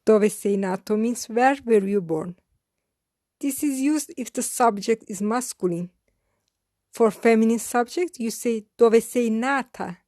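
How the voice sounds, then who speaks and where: Woman teacher, slightly high voice, deliberate drill pacing. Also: mellow, no echo, studio quality. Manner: slow, careful enunciation with repeated phrases. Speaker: language teacher. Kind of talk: slow scripted language lesson.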